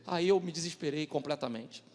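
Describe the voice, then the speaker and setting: A man with a Brazilian Portuguese accent gives an emotional testimony to a congregation, storytelling animatedly and swinging between loud outbursts and quiet asides. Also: on the high side, fairly quick. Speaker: church member giving testimony. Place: church hall. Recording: reverberant church hall with music behind.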